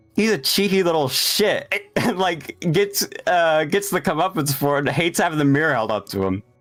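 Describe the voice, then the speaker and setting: Over background music, a man with a high pitch speaks at a moderate pace in an animated tone, his intonation lively and his loudness very even. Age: 20s. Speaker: podcast guest, train enthusiast. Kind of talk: casual chat.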